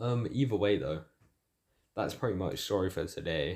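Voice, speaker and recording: In a British accent, a man speaks at a moderate pace with a fairly low pitch. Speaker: YouTuber. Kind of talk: casual storytime vlog. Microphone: cheap headset mic.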